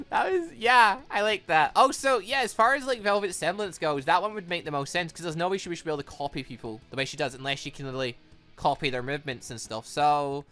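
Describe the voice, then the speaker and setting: A gaming YouTuber giving excitable, rambling, giggly commentary on a visual novel, with game music behind. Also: medium pitch. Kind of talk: gameplay commentary, reading visual novel dialogue aloud.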